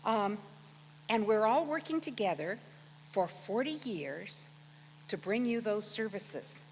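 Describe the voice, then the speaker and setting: A woman's voice: mid-range voice, animated, slow. A woman with an American accent giving a prepared introduction as host of an event, speaking to an audience. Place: large auditorium with long reverb. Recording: reverberant hall, clear background hum.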